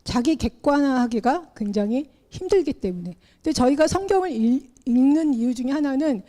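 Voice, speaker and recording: A middle-aged woman preaching a sermon in an animated way, acting out the Bible characters as she tells their story. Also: high-pitched, normal speed. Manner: animated, acts out the Bible characters in her telling.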